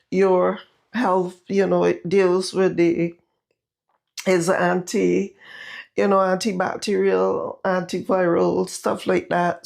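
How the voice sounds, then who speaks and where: A woman with a Barbadian accent talks viewers through a recipe in her home kitchen, chatty and unhurried. Her voice is naturally husky and sits fairly low, with a gravelly fry, and a sore throat makes it raspier still. She speaks at a very slow pace. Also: darkish tone. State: raspy, irritated throat. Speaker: home cooking vlogger. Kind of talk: casual recipe vlog.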